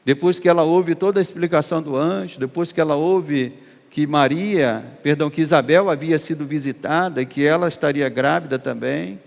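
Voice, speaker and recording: A man with a Brazilian accent, preaching a sermon as pastor, emphatic and swelling loud on key phrases. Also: on the high side, moderate pace, creaky. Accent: Brazilian Portuguese. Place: church hall. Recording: long hall reverb.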